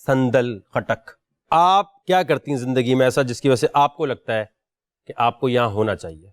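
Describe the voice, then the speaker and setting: A man's voice: mid-range voice, no room sound, clean studio sound. A man hosting a talent show audition, questioning a contestant in a teasing, pointed way. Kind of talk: probing audition interview.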